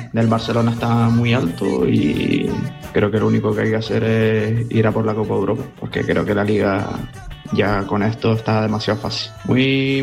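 Male listener message, lowish and very creaky voice, conversational football opinion. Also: darkish tone. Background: faint guitar music.

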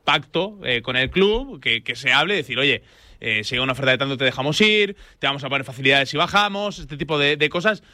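A man's voice: mid-range voice, expressive, fairly quick, sharp tone, dry recording, studio quality. A man giving casual, opinionated football commentary as a pundit in a discussion. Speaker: sports pundit.

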